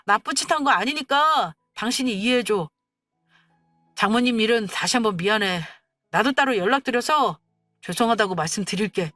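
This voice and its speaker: Woman playing a self-excusing young husband, wheedling and pleading, fairly high voice, dry close sound. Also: lively intonation, moderate pace, a bit bright, no echo, soft background music.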